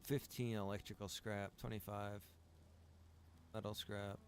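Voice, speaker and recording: Casting: young adult male streamer, low-ish voice, loose rambling chat with viewers. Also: a little slow, slight background noise. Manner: rambling, relaxed, chatty with viewers. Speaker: streamer and server owner. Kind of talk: casual gaming stream chat.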